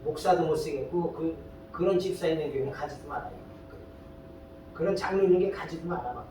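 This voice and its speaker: A man's voice: a little fast, warm tone. A man preaching a sermon as pastor, in a plain conversational way, firing rhetorical questions and prodding the congregation. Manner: fires rhetorical questions and prods listeners with "eh?"; colloquial, storytelling preacher. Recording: very echoey hall, distant mic, faint rumble.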